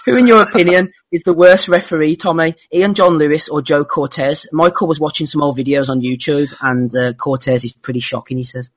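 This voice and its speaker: A man's voice: a little high, steady tone, fairly quick. A Scottish man hosting a boxing podcast, steering the chat and reading out listener questions. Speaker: podcast host.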